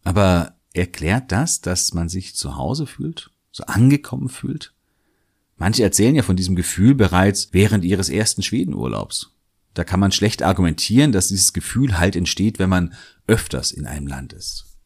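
Podcast host, man, German native speaker, very low voice, reflective monologue with gentle hesitations. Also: sing-song, moderate pace, gravelly, breathy edge. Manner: thoughtful, musing, hedges and repeats words.

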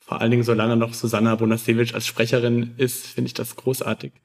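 A man's voice: medium pitch, completely flat delivery, fast talker. A man chatting casually as a guest on a podcast. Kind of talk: casual chat.

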